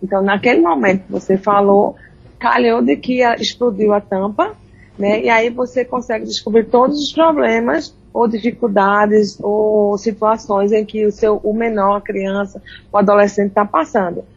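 A woman's voice: medium pitch, steady tone, normal speed, vocal fry, breathy edge. A woman hosting a radio interview, summing up what her guest says and agreeing with her. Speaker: radio host. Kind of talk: interview chat. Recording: dull lo-fi sound.

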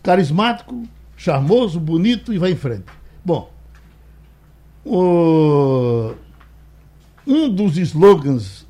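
A man with a Brazilian accent hosting a radio show, talking casually and haltingly as he tells anecdotes and reads a note. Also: fairly high pitch, dark tone. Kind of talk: casual talk, reading a note aloud.

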